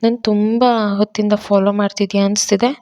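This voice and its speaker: A woman's voice: mid-range voice, level tone, brisk, warm tone, dull audio, close to an everyday voice. Woman voicing a suspicious young woman. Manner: doubtful, questioning.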